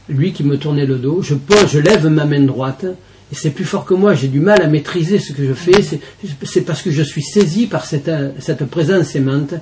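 A man, a deacon, giving an earnest personal testimony in an interview, halting often and restarting his sentences. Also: a little high, a little mellow, a little hiss or hum.

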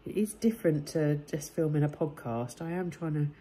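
A woman in her forties with a bunged-up nose, chatting casually and warmly into her phone camera at home and in her car. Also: sits low, moderate pace, breathy edge. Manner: chatty, chirpy and warm. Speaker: vlogger. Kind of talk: casual daily vlog chat. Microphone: phone camera at arm's length.

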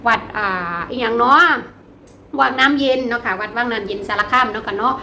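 A woman's voice: on the high side, fairly even intonation, brisk, sharp tone. Chatty Isan-accented woman vlogger. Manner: chatty, addresses viewers as family, laughs often. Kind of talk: casual vlog narration. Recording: roomy with faint background noise.

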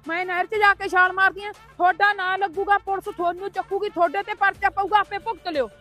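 A woman's voice: extremely high pitch, fairly even intonation, brisk, pushed and bright, soft background music. A woman playing a defiant villager who demands her house and makes threats to an official. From Punjab.

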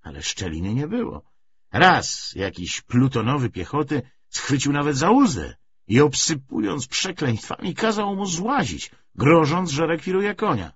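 A man's voice: fairly high pitch, sing-song, a little slow, slight background noise. A man reading a literary novel aloud as an audiobook narrator, on a slightly dull recording.

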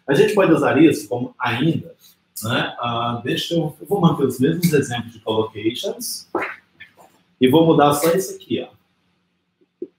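A Brazilian man teaching an English lesson in Portuguese, slowing down to model English phrases. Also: on the high side, expressive, roomy sound, a little hiss or hum, low-quality recording. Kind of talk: live online English lesson.

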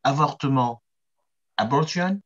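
A man's voice: mid-range voice, slow pace, slightly rough, lo-fi sound. A man reciting English vocabulary in an online class, hesitant and careful, heard over call audio. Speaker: student.

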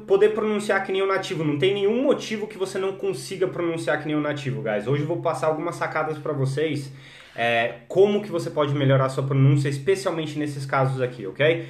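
A man's voice: a little high, roomy sound. A young man teaching English on a live stream, full of energy, switching between English and Portuguese and greeting viewers by name.

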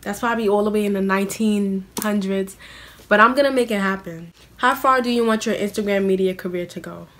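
A woman's voice: medium pitch, brisk, a bit bright. Young woman, US-born, casual Q&A vlog, blunt, slangy, filler-heavy, small indoor room, close camera. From United States. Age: young adult. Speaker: vlogger.

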